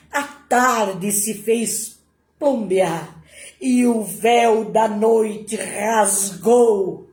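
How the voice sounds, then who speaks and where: Slow, dramatic woman storyteller. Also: medium pitch, darkish tone. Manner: slow, dramatic, emotional telling. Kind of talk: devotional story narration. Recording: roomy echo.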